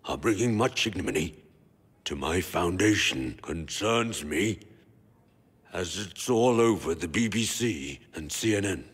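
Man playing stern displeased patriarch, very low voice, formal, long hall reverb, music. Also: lively intonation, a little slow, slightly rough, exaggerated voice. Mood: stern displeasure. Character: grave, displeased patriarch of a foundation.

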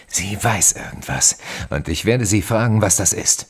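An actor playing a tough, determined demon hunter in a horror audio drama, terse and dryly sardonic. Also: male voice, fairly low pitch, animated, normal speed, slightly rough. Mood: urgent.

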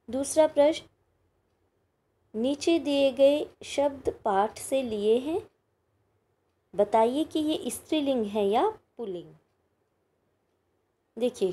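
Slow, patient woman teaching schoolchildren. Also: fairly high pitch, mellow. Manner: patient, explains slowly with tag questions. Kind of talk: recorded Hindi grammar lesson for children.

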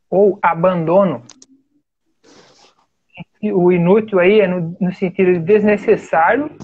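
A man's voice: sits high, breathy edge, dry recording. A Brazilian man teaching an online lesson on Chinese characters, explaining step by step and pointing things out on screen with a frequent "né?". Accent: Brazilian Portuguese. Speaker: study group teacher. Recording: tinny phone-like online call audio.

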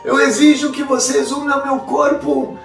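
Brief: male storyteller playing a vengeful young ghost, high-pitched and shouting, faint music behind. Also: flat delivery, normal speed, vocal fry. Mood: furious, accusing. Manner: shouting accusations. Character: dead young man's ghost, demanding, furious. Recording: roomy, distant mic, faint music.

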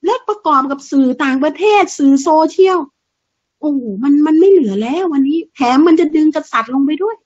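On dull lo-fi audio, a political commentator with a high, darkish voice tears into her targets in a fiery, blunt monologue, crude and mocking and full of rhetorical questions.

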